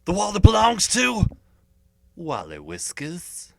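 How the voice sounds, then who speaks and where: A man voicing a boastful, muscle-bound doofus cartoon action hero with bombastic, drawn-out delivery. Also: high-pitched, wildly swooping pitch, vocal fry, fairly bright tone, no room sound, studio quality, voice pushed up, heavily acted. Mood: indignant.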